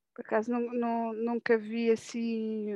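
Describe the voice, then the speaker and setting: Music plays behind a woman whose voice sits fairly high. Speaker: podcast host. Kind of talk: casual chat.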